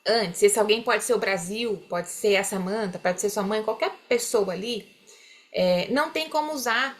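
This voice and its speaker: A young woman teaching an online English class, explaining in Portuguese and slowing down to model English words, often checking in with her students. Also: mid-range voice.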